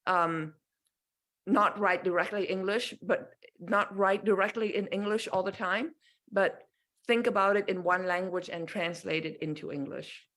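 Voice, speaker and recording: A woman's voice: medium pitch, steady tone, a little slow, fairly bright tone. Thoughtful middle-aged Vietnamese-born woman. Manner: thoughtful, with many restarts and fillers. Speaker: guest author. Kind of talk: reflective interview answer.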